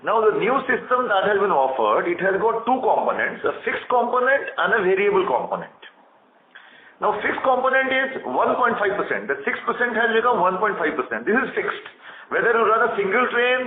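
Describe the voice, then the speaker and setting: A man's voice: high-pitched, big pitch swings, brisk, slight background noise. A man, an executive explaining things in an emphatic, didactic way on a call. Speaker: company executive answering investors. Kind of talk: explanatory conference call answer. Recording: echoey room over narrow phone line.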